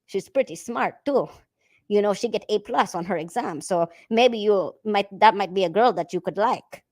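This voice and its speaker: A woman putting on a chatty disguise persona with a fake foreign accent, exaggerated, halting and repetitive, in casual livestream talk. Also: mid-range voice, darkish tone, close to an everyday voice. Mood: eager, matchmaking. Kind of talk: casual livestream chat in a put-on voice.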